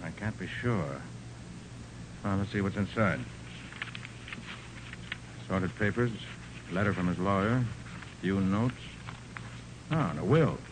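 An actor playing a brisk, confident male private detective in a 1940s radio crime drama. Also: low voice, animated. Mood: brisk, probing. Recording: noisy 1940s radio recording.

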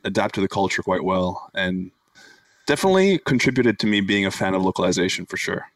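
Italian-born guy w/ american accent, deep-ish voice, kinda far from a dry mic. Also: fairly quick, no room sound. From Italy. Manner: relaxed, with many uh fillers. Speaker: podcast guest. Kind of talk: casual interview chat.

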